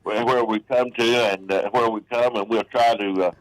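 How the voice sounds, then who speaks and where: A man with a Southern accent calling a radio show, speaking haltingly with many restarts and fillers. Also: lowish voice, fairly even intonation, rough recording. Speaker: caller. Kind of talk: phone-in chat.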